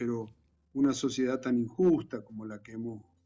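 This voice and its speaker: Music plays in the background while a man speaks. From Argentina, Mendoza. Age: 60s. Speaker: photographer. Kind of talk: interview. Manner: halting, many fillers.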